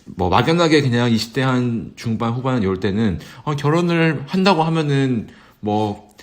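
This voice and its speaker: Casual male co-host with animated intonation. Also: medium pitch, normal speed. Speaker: podcast co-host. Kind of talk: casual conversational chat.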